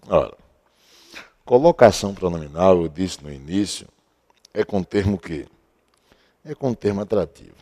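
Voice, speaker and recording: A male teacher with a deep, mellow voice. He walks through a grammar rule step by step at a board, asking questions and then answering them himself. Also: lively intonation, moderate pace, long pauses. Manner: explains step by step, asks and answers his own questions. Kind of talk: recorded grammar lesson. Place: at a board he writes on and erases.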